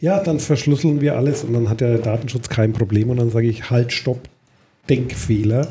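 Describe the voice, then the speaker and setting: Somewhat breathy and dark, mellow in tone, a man's medium-pitched voice shows ordinary pitch variation and very even loudness. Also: moderate pace. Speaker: podcast co-host on data protection. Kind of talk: casual chat.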